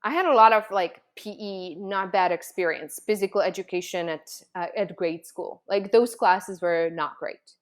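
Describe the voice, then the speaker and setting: A woman from the Czech Republic, talking casually to viewers as a coach, telling personal stories in a chatty, animated way full of "like"s. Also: mid-range voice, normal speed, hardly any pauses. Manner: chatty, animated storytelling with many "like"s.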